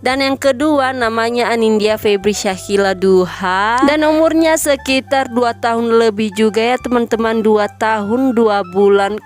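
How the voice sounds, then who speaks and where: Chatty young woman vlogger, slightly high voice. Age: 20s. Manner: friendly, addresses viewers constantly, repeats filler phrases. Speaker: housewife vlogger. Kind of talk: chatty voice-over narration.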